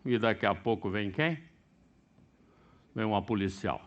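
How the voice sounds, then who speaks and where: A middle-aged man from Brazil preaching a sermon, swinging between sudden loud, high bursts and quiet, low asides. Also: animated, measured pace, muffled recording. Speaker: pastor.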